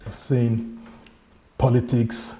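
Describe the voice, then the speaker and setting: A middle-aged man, a Yoruba speaker, giving an earnest personal talk as a disability activist, pausing and restarting as he reflects. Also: medium pitch, little pitch movement, mellow. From Nigeria.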